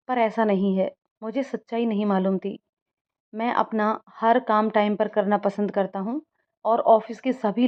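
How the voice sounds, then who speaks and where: A woman's voice: medium pitch, natural voice. A woman voicing a young male company boss, strict but fair, in an earnest storybook reading, on a dull lo-fi recording. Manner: earnest, apologetic. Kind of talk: storybook voice acting.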